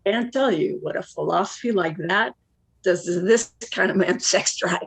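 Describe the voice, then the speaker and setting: A woman playing a jilted, world-weary Catholic woman confessing in a one-act play, candid and rueful with deadpan asides. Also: fairly low pitch, normal speed, gravelly, husky. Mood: wistful, wry.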